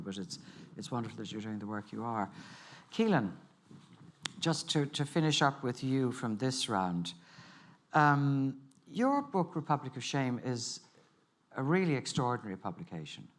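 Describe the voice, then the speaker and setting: A man moderates a festival panel. He speaks in an animated, emphatic way and often restarts his sentences. His pitch swings up sharply when he makes a point. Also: normal speed.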